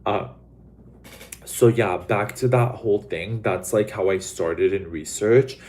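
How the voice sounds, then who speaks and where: A young man from Los Angeles, USA, hosts a livestream and chats casually to his viewers, rambling with lots of "like" and "um" and swearing bluntly. His voice is on the low side, slow, and darkish in tone, with a little hiss or hum in the background.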